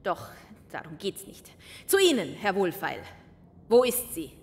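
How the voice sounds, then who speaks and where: A woman's voice: lowish voice, very animated, a little slow, long reverb tail. A woman playing a stern, indignant landlady with a pompous, scolding manner in an audio drama. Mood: stern, demanding. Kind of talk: German amateur audio drama acting.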